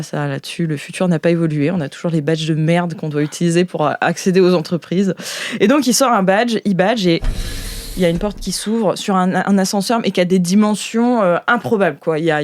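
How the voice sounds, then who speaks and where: A woman's voice: fairly low pitch, a little fast, darkish tone. A woman game master improvising narration for a sci-fi audio role-playing game in an informal, playful, slangy way.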